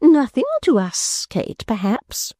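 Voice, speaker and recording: A woman's voice: a little high, animated, takes it slowly, mellow, no echo, studio quality, pitched above the performer's own voice. A woman voicing a fussy, self-important middle-aged mother in a storybook, gushing and emphatic as she rambles on. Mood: argumentative, emphatic.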